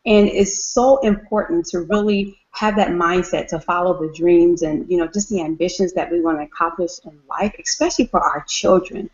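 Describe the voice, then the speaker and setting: A woman in her late thirties speaks upbeat and earnest, often stressing words twice, in a lowish voice. The video call audio sounds dull and lo-fi. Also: normal speed, hardly any pauses. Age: 30s. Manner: upbeat, repetitive emphasis. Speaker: guest mother. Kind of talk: casual call chat.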